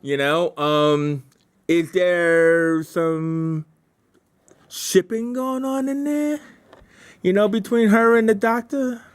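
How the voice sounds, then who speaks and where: A man's voice: high-pitched, steady tone, takes it slowly, clean tone, dry recording. A man leading a group discussion casually, in an informal, jokey way, prodding people with questions. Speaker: workshop leader giving script feedback.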